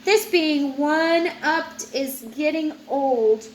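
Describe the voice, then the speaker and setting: A woman's voice: sits high, extremely slow, low-quality recording. A woman voicing a boastful great white shark in a children's storybook, with an exclamatory delivery. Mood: undaunted. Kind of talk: children's picture book read-aloud.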